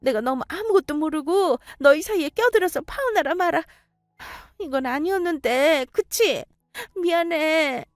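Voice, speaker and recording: A woman voicing a middle-aged mother who whines and begs in a high, tearful voice. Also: expressive, normal speed, no room sound, studio quality. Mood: coaxing. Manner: high, whiny, begging, tearful. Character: pleading middle-aged Korean mother, overbearing then begging.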